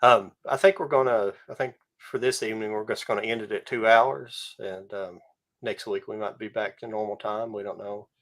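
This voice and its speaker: A man hosting a podcast, winding down the show with easygoing, halting talk. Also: fairly low pitch, fairly even intonation, a bit bright. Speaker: podcast host. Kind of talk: casual chat.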